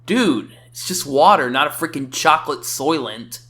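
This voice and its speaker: A man's voice: on the high side, expressive, moderate pace, sharp tone. A man giving scripted comedic commentary as a game reviewer, wry and sarcastic.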